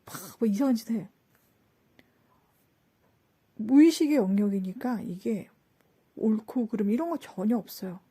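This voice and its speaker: A woman hosting a spiritual talk, telling an anecdote in a casual, animated way, acting out quoted lines and asking the listeners rhetorical questions. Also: fairly high pitch, unhurried, pauses often, breathy edge. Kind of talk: casual storytelling lecture.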